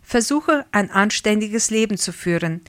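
A woman reading the lines of a weak, dying old father who gently pleads with his daughter. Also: mid-range voice, lively intonation, a little slow, no echo. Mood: pleading.

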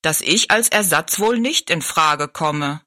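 A woman voicing a tall, thin, dignified male giant from a fair show, who talks slowly in a courtly, regretful way. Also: low voice, animated, no room sound, studio quality, heavily acted. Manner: slow, courtly and gently regretful.

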